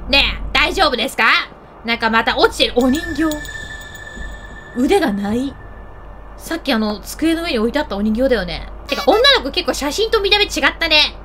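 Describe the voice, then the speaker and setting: A woman giving lively gameplay commentary, chatting to the game characters and to her viewers. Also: high-pitched, slight background noise. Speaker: game video host.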